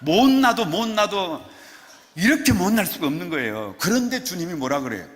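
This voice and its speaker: A male pastor preaching a sermon in a playful, animated way, coaxing the congregation to answer him. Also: on the high side, fast talker. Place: church sanctuary. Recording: long church hall reverb.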